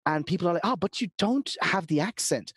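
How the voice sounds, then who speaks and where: A man from Calcutta, Bengali his first language, talks as a podcast guest in a fairly high voice. He is emphatic and earnest, often repeating a word before he gets going. The recording is close and dry. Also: animated, a little fast, slightly rough, no echo. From India, Calcutta. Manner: earnest, emphatic, repeats words when starting. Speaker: podcast guest, business strategist. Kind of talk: conversational interview.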